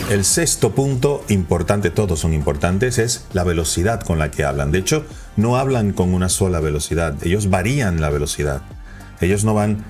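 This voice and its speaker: A man with a low, deep voice gives a lesson on how to persuade. He speeds up and slows down, lifting and dropping his tone to stress key ideas, with soft music under him. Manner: lively, varies pitch and pace for emphasis. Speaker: communication coach. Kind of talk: instructional talk on persuasion.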